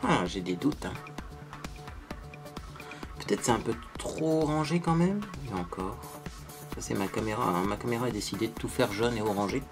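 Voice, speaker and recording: A man's voice: lowish voice, moderate pace, long pauses, over music. A man talking casually through a makeup tutorial to viewers, chatty and self-mocking, tagging his sentences with little asides. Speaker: beauty vlogger.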